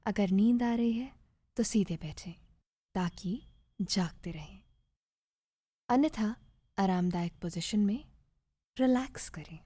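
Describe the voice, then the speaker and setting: Breathy, mellow woman guiding a meditation. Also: medium pitch, no room sound. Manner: soothing, measured, with gentle pauses. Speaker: guided meditation narrator. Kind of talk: guided meditation, scripted narration.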